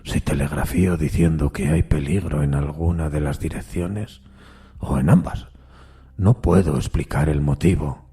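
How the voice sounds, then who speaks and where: A man playing an anguished railway signalman haunted by a spectre, earnest, deferential and hushed, in a dramatic audio story. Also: very deep voice, moderate pace, breathy edge, heavily acted. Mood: anguished, fearful. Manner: troubled, pensive, hushed.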